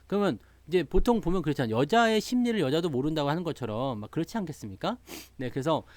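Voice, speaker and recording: A man's voice: fairly high pitch, lively intonation, fast talker, a little mellow, dry recording. A man giving casual stock market commentary, answering his live chat, acting out little quoted exchanges and laughing often. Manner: chatty, acts out quoted voices, laughs often.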